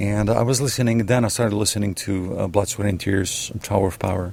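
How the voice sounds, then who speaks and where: This man talks at a moderate pace in a fairly low pitch, his intonation fairly even. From rural Quebec, Canada. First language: French. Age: 60s. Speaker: bass player. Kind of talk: interview. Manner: halting.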